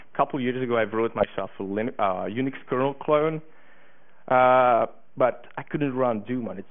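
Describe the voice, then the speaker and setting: An eighteen-year-old man from Hungary giving a conference talk, eager, with many fillers and restarts. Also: mid-range voice. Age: teens. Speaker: conference speaker. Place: conference room. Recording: tinny phone-like conference recording.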